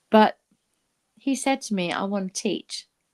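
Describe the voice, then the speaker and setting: With an English accent, a woman talks at a very slow pace in a medium pitch, her intonation lively and the sound dry and close with no echo. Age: 60s. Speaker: interview guest. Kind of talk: casual chat. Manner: animated.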